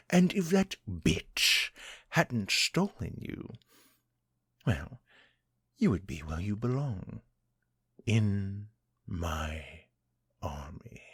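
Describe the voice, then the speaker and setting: An actor playing a cruel, centuries-old vampire lord who taunts his captive, speaking in a husky, condescending way. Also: low-pitched, no room sound, clean studio sound, heavily acted. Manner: taunting, condescending, slow and deliberate. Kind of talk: audio drama, one-sided dialogue.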